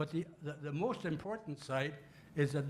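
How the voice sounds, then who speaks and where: At a moderate pace, a man speaks in a fairly high, somewhat breathy voice. His pitch shows ordinary variation. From northern Manitoba, Canada. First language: Cree. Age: 80s+. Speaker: audience member asking a question. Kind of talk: audience question at public talk. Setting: museum event with audience. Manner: halting, many repetitions.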